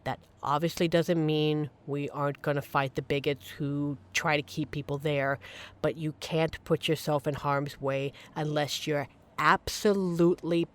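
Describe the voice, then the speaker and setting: A woman's voice: low-pitched, fairly even intonation, a little slow. A woman playing a supportive, playful young queer friend in an audio roleplay, talking casually and earnestly to reassure the listener. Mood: soft, serious.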